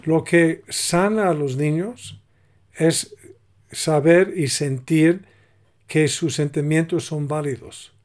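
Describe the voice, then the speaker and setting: Man, middle-aged, unhurried talk, slightly high voice, calm and explanatory. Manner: calm, explanatory, acts out little example dialogues. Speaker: podcast co-host giving parenting advice. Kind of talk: casual conversation.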